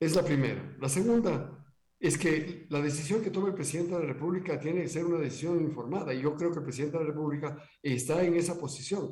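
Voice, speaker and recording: Audible room echo surrounds a man speaking at a very fast pace with ordinary pitch variation. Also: fairly high pitch for a man. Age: 70s. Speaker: government official, former university rector. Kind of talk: radio interview. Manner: halting.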